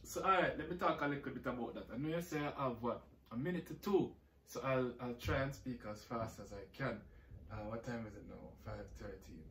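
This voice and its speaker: A man's voice: medium pitch, a little fast, a bit bright, slight background noise. A man in his forties from Jamaica with a Jamaican accent, casually answering interview questions and rambling with repeated words. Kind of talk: casual recorded answers, reading questions aloud. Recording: roomy, distant from the mic.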